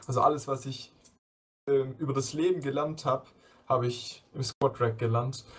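A somewhat breathy male voice at medium pitch, with fairly even intonation, moderate pace and long, frequent pauses. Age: young. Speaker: bodybuilding podcast co-host. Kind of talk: casual chat.

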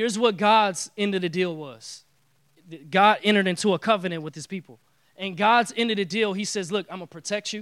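It is a natural reading voice. The intonation stays fairly even.

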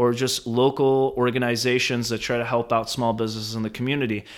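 A man is speaking at a medium pitch. He has an ordinary speaking voice. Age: 20s. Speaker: podcast host and mobile car detailer. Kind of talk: casual solo podcast monologue. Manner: casual, filler-heavy.

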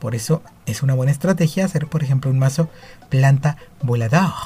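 Talking very fast, a man shows ordinary pitch variation. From Mexico, Monterrey. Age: 20s. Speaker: gaming podcaster. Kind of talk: gameplay commentary. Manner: halting.

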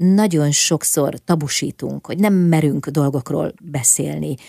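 A woman's very deep, low voice with a dark, mellow tone, very slow pace and ordinary pitch variation, in a very clean recording with a silent background and a dry, close sound with no echo. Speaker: radio host. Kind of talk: interview.

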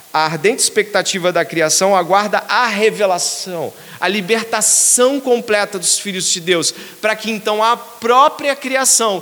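Lively intonation marks this man's fairly slow delivery, with noticeable background noise behind him. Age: 40s. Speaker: pastor. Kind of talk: sermon.

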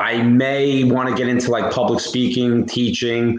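This is a man with a medium pitch. He talks at a fairly slow pace. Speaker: retired police detective. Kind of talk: casual chat. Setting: live video call.

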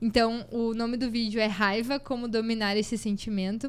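A woman speaks at a fairly high pitch. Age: 20s. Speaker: psychologist. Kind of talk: casual chat.

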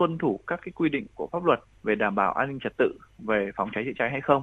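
This man's voice sits at a fairly high pitch and makes very wide pitch swings. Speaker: lawyer. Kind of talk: interview answer.

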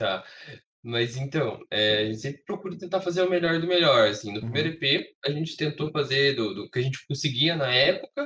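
A man with a plain, everyday voice talks at a fairly quick pace in a fairly high pitch. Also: lively intonation. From Brazil. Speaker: musician and producer. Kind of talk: casual chat.

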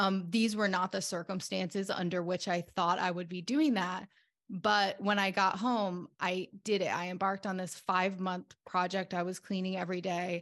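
Here is a woman with a plain, everyday voice at a medium pitch. She keeps a moderate pace with hardly any pauses. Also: fairly even intonation, quiet background. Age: 30s. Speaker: podcast booking agency owner. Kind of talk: casual interview chat.

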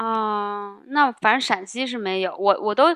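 A woman's voice comes through with a bright, sharp tone at a very slow pace. The sound is dry and close with no echo, over a quiet background. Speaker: podcast host. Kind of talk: casual chat.

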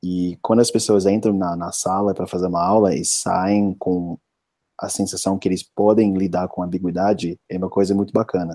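A man talks at a moderate pace in a very deep, low pitch with monotone, flat intonation, on a very clean recording with a silent background. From US Midwest (Indiana). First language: English (speaking Portuguese). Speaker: design consultant. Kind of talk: casual chat.

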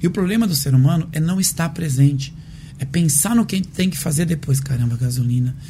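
A man's fairly high-pitched voice at a moderate pace, an ordinary speaking voice. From Pernambuco, Brazil. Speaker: Pilates instructor. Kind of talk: casual interview.

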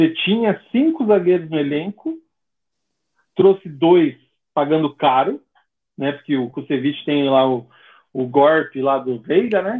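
Fairly high in pitch, a man speaks at a fairly slow pace with lively intonation. Long, frequent pauses break up his speech. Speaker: football podcast host. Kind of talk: casual chat. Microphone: phone mic without headset, audio changed.

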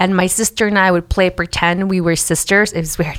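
With a Spanish accent, a woman speaks at a moderate pace in a fairly low pitch with fairly even intonation. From Mexico, Oaxaca. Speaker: restaurant owner. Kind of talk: casual chat.

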